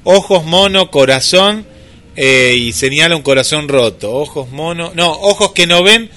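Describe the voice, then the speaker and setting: A man's voice: fairly high pitch, lively intonation, unhurried, pushed and bright. A man with an Argentine Rioplatense accent hosting casual radio chat, thinking aloud with plenty of fillers. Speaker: radio host.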